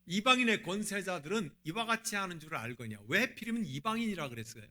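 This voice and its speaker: Male pastor preaching a sermon, animated pitch, questions the congregation often. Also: fast. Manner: asks the congregation rhetorical questions. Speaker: senior pastor.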